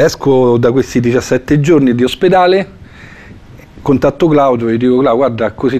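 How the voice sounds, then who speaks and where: With lively intonation, the voice moves at a moderate pace. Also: man. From Lazio, Italy (Fiuggi). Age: 40s. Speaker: physiotherapist sharing patient testimony. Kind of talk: testimony.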